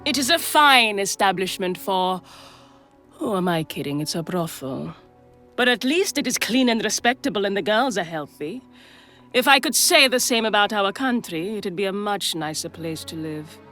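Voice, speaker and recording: Wry, theatrical madam, music behind. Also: female voice, mid-range voice, expressive, normal speed, bright, forceful tone. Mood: wry, exasperated. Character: worldly, sardonic, protective brothel madam. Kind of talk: scripted game dialogue.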